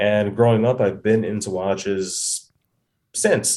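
A man talks in a medium pitch with fairly even intonation, an unremarkable speaking voice. The recording is very clean, with a silent background. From Chicago. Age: 40s. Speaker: watch brand owner. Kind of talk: interview.

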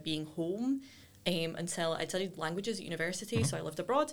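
A woman speaks in a Scottish accent at a fairly low pitch. Her intonation is lively. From Scotland, Croy. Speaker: comedian.

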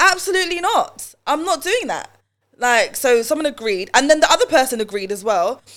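A high-pitched woman with a British accent, fairly quick in pace, with very wide pitch swings. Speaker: podcast host. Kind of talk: casual interview chat.

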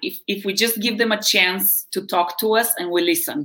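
A woman with a Bulgarian accent, medium pitch, ordinary pitch variation and a moderate pace. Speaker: body mind coach and founder. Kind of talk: casual interview chat.

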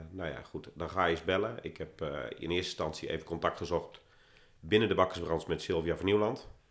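This man speaks at a fairly quick pace. His pitch is very deep and low, with ordinary variation. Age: 40s. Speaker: bakery owner. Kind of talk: casual interview. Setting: room above a bakery shop.

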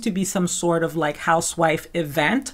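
A fairly low female voice in a Caribbean French accent, at a moderate pace with fairly even intonation, on a very clean recording with a silent background. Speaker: podcast host, reality TV commentator. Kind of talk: solo podcast monologue.

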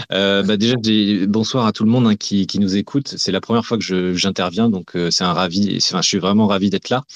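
A man talks at a fairly quick pace. His voice sits fairly low. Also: fairly even intonation, very even loudness. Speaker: blockchain educator and author. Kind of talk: casual interview. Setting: online audio space.

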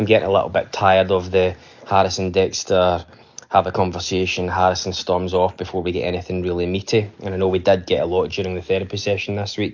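With a Scottish accent, a man talks at a very fast pace in a very deep, low voice with monotone, flat intonation. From Scotland. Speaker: podcast listener. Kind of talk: voicemail feedback. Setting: recorded voicemail.

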